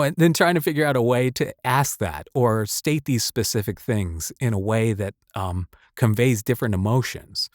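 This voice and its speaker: A man's voice: fairly low pitch, dry recording, studio quality. A man speaking as a voice actor giving casual advice, rambling and emphatic in a conversational way. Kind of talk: casual advice talk to camera or mic.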